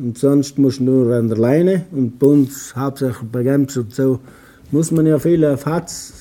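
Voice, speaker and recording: A man speaks at a fairly slow pace in a dark, mellow tone. His pitch is medium, with ordinary variation. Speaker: retired mountain professional hunter. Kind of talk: interview.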